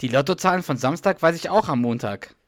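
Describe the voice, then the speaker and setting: A man's voice: a little high, lively intonation, a little fast, no echo, clean studio sound, natural voice. A man reading the part of a flustered husband who faked a heart attack, in a podcast read-through of a sitcom scene. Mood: defensive.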